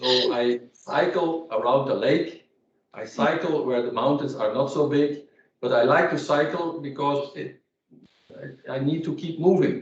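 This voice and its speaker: A man's fairly high, somewhat breathy voice holds a fairly even intonation. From Belgium. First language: not English (Belgian). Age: 60s. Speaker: company CEO. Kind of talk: webinar Q&A. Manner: halting, repeats words.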